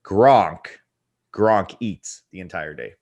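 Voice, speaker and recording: A man's voice: deep voice, slow pace, a little mellow, dull audio. A man co-hosting a podcast, bantering loosely and playfully with casual swearing. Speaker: podcast co-host.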